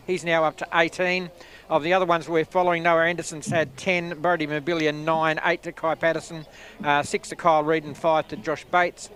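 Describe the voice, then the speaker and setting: A man reads out the halftime statistics of a football match. His voice sits slightly high, and he moves through the numbers in a steady, list-like way, with the odd "uh". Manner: steady, list-like, some fillers. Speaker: stats man.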